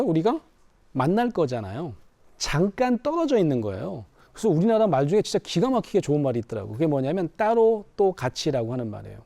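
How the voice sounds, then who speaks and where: Middle-aged guy explaining stuff, voice swings up and down a lot, soft warm tone, dry close sound. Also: a little high, no room sound. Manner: animated storyteller. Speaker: counseling professor. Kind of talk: explanatory talk to camera.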